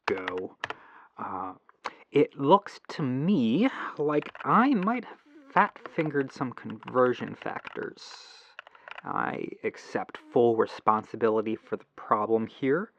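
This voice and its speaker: A man playing a patient, earnest tech-support agent in a gentle, reassuring ASMR phone roleplay, through a lo-fi telephone filter. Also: mid-range voice, animated, slow, slight background noise. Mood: apologetic, explaining. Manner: gentle, reassuring, apologetic, musing to himself. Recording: lo-fi muffled telephone sound.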